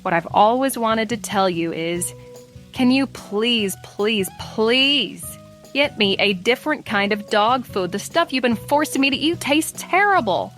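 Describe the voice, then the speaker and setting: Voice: medium pitch, expressive, unhurried, fairly bright tone, faint music behind, voice pushed up. A storyteller voicing a talking female pet dog who whines and pleads about her food. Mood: pleading. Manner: whiny, pleading.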